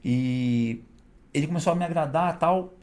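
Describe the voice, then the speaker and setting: A man, a guest telling stories in a casual, animated way and laughing between them. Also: a little high, normal speed. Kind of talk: casual storytelling.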